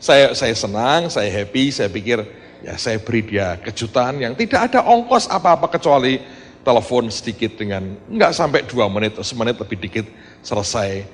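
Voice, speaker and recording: A middle-aged male pastor telling stories in a sermon, animated and addressing the congregation directly while acting out the voices he quotes. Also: mid-range voice, moderate pace. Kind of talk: sermon storytelling.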